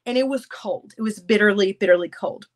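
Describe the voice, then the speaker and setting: A woman's voice: medium pitch, a little fast. A woman in her thirties with a stuffy, congested voice, chatting casually with viewers from her home craft room. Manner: chatty, animated, gestures with hands. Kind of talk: casual live chat with viewers.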